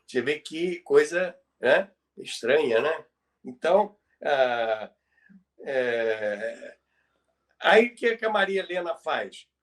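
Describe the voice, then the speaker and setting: An older man with a Brazilian accent telling a story conversationally, halting and repeating phrases for emphasis. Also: fairly high pitch, lively intonation. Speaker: podcast host and storyteller. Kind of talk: conversational retelling of radio history.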